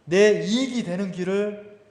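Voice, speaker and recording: A man's voice: sits high, a little slow, darkish tone. A pastor preaching a sermon, firing rhetorical questions at his congregation with emphatic delivery. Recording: echoey church hall.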